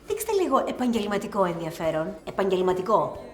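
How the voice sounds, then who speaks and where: An actress playing a pushy, jealous club singer who complains and needles in a TV drama. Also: female voice, medium pitch, expressive, reverberant, close to an everyday voice. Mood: complaining. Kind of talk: TV drama acting.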